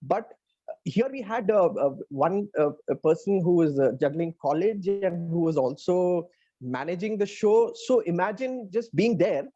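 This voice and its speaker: A man with an Indian accent talking reflectively in a casual interview as a writer, often pausing to search for words. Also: high voice, animated, warm tone. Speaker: interviewed audio playwright. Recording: dull, band-limited audio.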